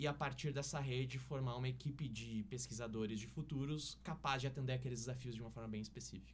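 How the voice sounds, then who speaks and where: With vocal fry and hardly any pauses, a man at medium pitch talks very fast in fairly even intonation, with audible room echo. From southern Brazil, Rio Grande do Sul (Novo Hamburgo). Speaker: futures researcher and professor. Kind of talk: podcast interview.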